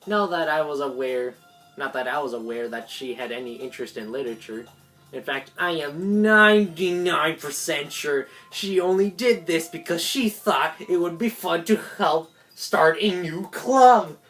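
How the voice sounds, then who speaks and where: A woman's voice: low-pitched, moderate pace, a bit bright. A woman reading a visual novel script aloud as narrator, with game music behind her.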